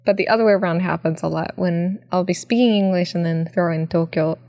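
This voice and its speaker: A woman's voice: fairly low pitch, fairly quick, a little mellow, dry recording. A woman co-hosting a podcast, chatting casually, slipping Japanese words in and giggling often. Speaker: podcast co-host. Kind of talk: casual chat.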